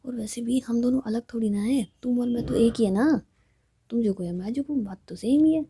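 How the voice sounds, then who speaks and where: A woman voicing a proud, sulky young woman in love, speaking softly in a half-whisper. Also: fairly high pitch, brisk, a little hiss or hum, close to an everyday voice. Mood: coaxing. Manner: soft, half-whispered, sharp when annoyed.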